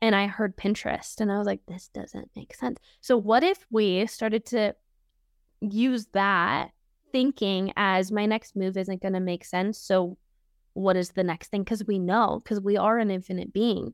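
In a dry, close recording with no echo, a woman with a plain, everyday voice and a General American accent speaks fairly slowly at a medium pitch with fairly even intonation. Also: very clean recording, silent background. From US Midwest, Nebraska. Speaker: podcast host and energy coach. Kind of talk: casual interview chat.

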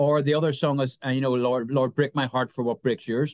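In a Northern Irish accent, a man speaks with fairly even intonation, the sound dry and close with no echo. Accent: Northern Irish (Belfast). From Northern Ireland, Belfast. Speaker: missionary and worship musician. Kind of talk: casual interview chat.

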